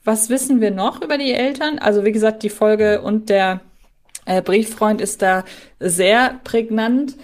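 A woman speaks as a podcast co-host. Her pitch is average for a woman. She analyses in a casual, conversational style, as if talking to a partner. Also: a little slow.

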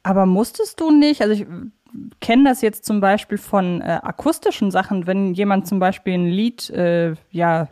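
A woman's voice: medium pitch, normal speed, warm tone. A woman hosting a casual conversational interview, asking informally and thinking aloud. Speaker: podcast interviewer, host.

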